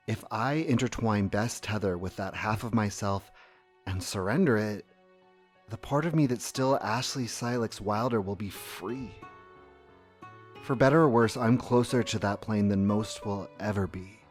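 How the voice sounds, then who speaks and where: A weary man near death, performed by an actor for an audio drama. His voice sits fairly low, measured and tender, with quiet resolve. Soft music plays faintly behind him. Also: lightly acted. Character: weary dying man, gentle, resolute, loving.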